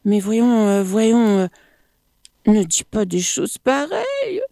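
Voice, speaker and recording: A woman voicing a naive, gullible male crocodile in a storybook reading, speaking high and eager. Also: very animated, takes it slowly, gravelly, mellow, dry recording, clean studio sound, heavily acted. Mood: pleading. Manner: high and sing-song, eager.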